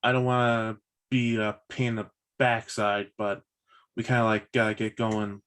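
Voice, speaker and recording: A man in his thirties chatting casually on a video call, halting and often repeating himself. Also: on the low side, level tone, fairly bright tone, smooth. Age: 30s. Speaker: participant in a virtual table read. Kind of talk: casual chat before a script read.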